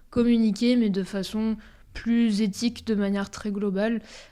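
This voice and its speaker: Very clean recording, silent background, and a woman with a dark, mellow tone. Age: 20s. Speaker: podcaster. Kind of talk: interview. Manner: casual with many fillers.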